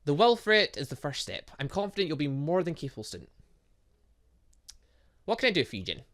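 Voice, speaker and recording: Kindly academy headmaster, read by a gamer: composed, reassuring, middling pitch, bright tone. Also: sing-song, fairly quick. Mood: calm, reassuring.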